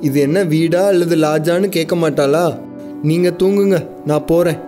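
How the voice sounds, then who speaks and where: A man's voice: a little high, steady tone, moderate pace, over music, lightly acted. A young man playing a grown son in a radio drama, speaking in a dismissive, defensive way.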